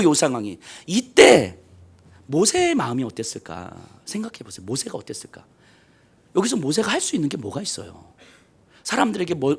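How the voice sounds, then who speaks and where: In a church sanctuary, a pastor with a high, slightly rough voice preaches a sermon, telling the story dramatically and acting out the voices of its characters. He swings between loud bursts and hushed near-whispers.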